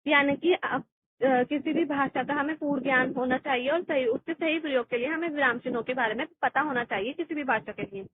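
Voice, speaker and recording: A woman teaching an exam-prep lesson. She explains step by step, often restarting her phrases, and reads textbook passages aloud slowly. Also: high-pitched. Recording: tinny phone-like recording with faint hiss.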